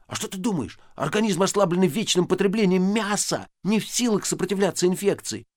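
A man's voice: high-pitched, animated, fairly quick, a little mellow, no echo, clean studio sound, pitched above the performer's own voice. A man reading an audiobook voices an earnest young husband lecturing heatedly about vegetarian food.

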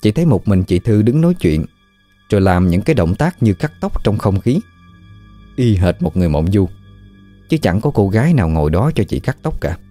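Low-voiced man telling a ghost story. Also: very animated, brisk, dark tone. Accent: Southern Vietnamese. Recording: dry close mic with faint music.

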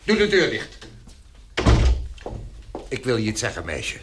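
An actor in a radio drama playing a stern middle-aged father, pompous and domineering, by turns halting and commanding. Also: on the low side, wildly swooping pitch, fairly bright tone, slight background noise, full character voice. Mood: solemn, halting. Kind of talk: Dutch radio drama acting.

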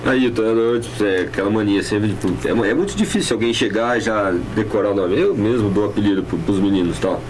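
A man's voice: lowish voice, fast, few pauses, slight background noise, low-quality recording. A Brazilian man telling anecdotes in casual, colloquial chat as a guest. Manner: colloquial, informal. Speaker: guest, rugby player.

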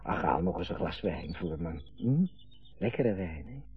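A man's voice: low-pitched, lively intonation, a little slow, husky, exaggerated voice. A man acting in a radio drama, playing a chatty, eager middle-aged father proudly showing off his home. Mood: proud, relaxed. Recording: muffled radio play recording, faint music.

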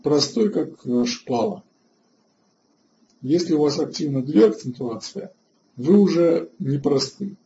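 A man hosting an online webinar lecture, halting with filler sounds and restarts, and answering chat questions between points. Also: on the high side, creaky, warm tone, highs cut off, a little hiss or hum. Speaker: webinar host.

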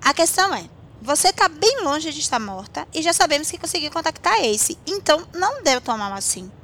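A woman's voice: high voice, sing-song, brisk, a bit bright, a little hiss or hum. A woman playing a curious, teasing friend in an audio drama, speaking in a colloquial, inquisitive way. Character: curious, teasing female listener to a friend's tale. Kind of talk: scripted audio drama, conversational.

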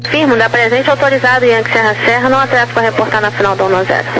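A woman's voice: a little high, steady tone, rapid-fire, over music. A woman with a Brazilian accent working as an air traffic controller, giving procedural instructions over aviation radio. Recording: noisy aviation radio with hum.

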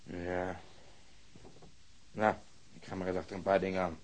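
An actor playing a blunt, sceptical, grumbling police detective in a Dutch radio crime drama. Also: male voice, deep voice, little pitch movement, unhurried. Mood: grumbling, puzzled.

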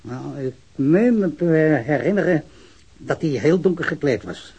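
A man's voice: on the high side, animated, a little slow, vocal fry, a little mellow, husky, lo-fi sound, heavily acted. A man acting a genial, outspoken male witness in a Dutch radio drama, conversational and frank. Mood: apologetic, recalling. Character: genial beer-drinking male witness, frank, disdains the rich.

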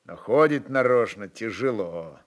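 A man's voice: lowish voice, animated, unhurried. A man narrating a literary story for radio in a dramatic reading style.

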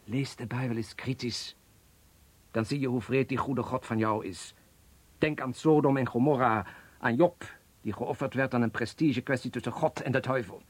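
An actor playing an earnest, bitter Jewish socialist refugee from Poland, speaking emphatically in a Dutch radio play. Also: male voice, medium pitch, normal speed, breathy edge, no room sound, lightly acted. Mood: fervent. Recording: noisy archived radio play recording.

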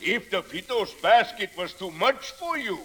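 A man's voice: extremely high pitch, lively intonation, measured pace, sharp tone, heavily acted. A man playing a jovial country auctioneer in an old radio drama, calling bids with chuckling showman patter. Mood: hearty.

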